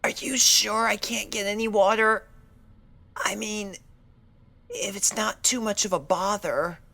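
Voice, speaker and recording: A woman plays a frightened young female pony in a dramatic audio story. She speaks slowly and haltingly, with a creaky edge, stammering and apologizing as she recounts an attack. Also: mid-range voice, fairly even intonation, bright, forceful tone, heavily acted. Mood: timid, nervous.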